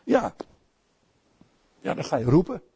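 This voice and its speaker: High-voiced, animated Dutch preacher man. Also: measured pace, creaky, breathy edge. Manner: animated preaching, swings between soft asides and loud outbursts. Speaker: pastor. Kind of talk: sermon.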